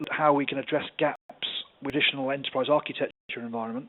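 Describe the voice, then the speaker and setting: At a very fast pace, a man talks with a fairly high pitch and fairly even intonation. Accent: British. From UK. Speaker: enterprise architecture executive. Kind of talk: webinar presentation.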